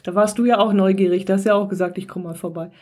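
A woman's voice: mid-range voice, racing. A woman hosting a podcast, talking casually and encouragingly with her mother. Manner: relaxed, encouraging, laughs often. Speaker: podcast host. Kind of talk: casual interview.

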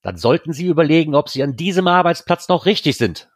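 A man's voice: a little high, sing-song, fast talker, no room sound, clean studio sound, voice pushed up. A man reading aloud, voicing a condescending manager who stays coolly polite. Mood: mocking. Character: smug, unpleasantly polite male boss.

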